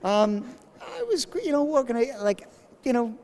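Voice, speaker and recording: A man being interviewed as an actor guest, chatting casually with a rambling, halting and joking manner. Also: extremely high pitch, sing-song, a little mellow, in a large hall.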